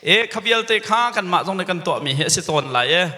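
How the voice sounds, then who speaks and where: A man's voice: high-pitched, animated, fast talker, sharp tone, long reverb tail. A male pastor preaching a sermon, mixing English words into his speech. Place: church sanctuary.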